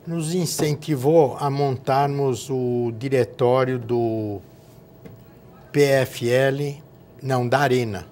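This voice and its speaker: An older man, telling his story in an interview. He speaks in a middling register and pauses often, restarting phrases and repeating words while he recalls. Faint noise sits under his voice. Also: mid-range voice, a little mellow. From São Paulo, Brazil. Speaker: guest, former state legislator. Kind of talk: interview reminiscence.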